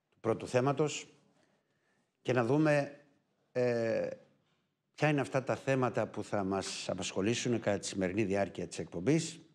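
A man's voice: on the low side, a little mellow. Greek man hosting a live TV show. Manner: unhurried, with frequent filler pauses. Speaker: TV show host.

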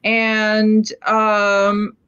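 A woman's voice: mid-range voice, monotone, very slow, fairly bright tone, smooth, lo-fi sound. A woman who grew up speaking Lithuanian in the United States, telling her family story reflectively on a video call from home. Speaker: panelist. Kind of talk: personal testimony on an online panel. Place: home room.

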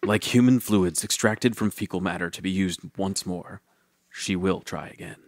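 A man's voice: deep voice, normal speed, natural voice. A man playing a grandiose science fiction narrator, dramatic and mock-solemn, in a scripted audio drama. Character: grandiose male sci-fi narrator.

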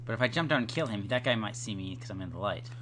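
A man's voice: on the low side, lively intonation, fast. A young man chatting casually and thinking aloud as he plays a game as co-host of a let's play. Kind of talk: casual chat while gaming. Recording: clearly noisy home recording.

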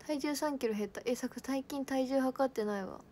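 Young woman idol livestream host, high bright voice, giggly and chatty, faint hiss behind. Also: normal speed. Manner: bubbly, giggly, reads viewer comments aloud. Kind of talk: casual livestream chat.

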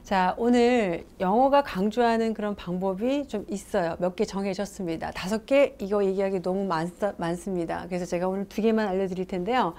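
Woman English teacher, mellow warm tone, chatty lesson host who tells stories and quizzes viewers. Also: mid-range voice, fairly quick, few pauses. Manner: chatty, storytelling, addresses viewers with questions. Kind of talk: casual video lesson.

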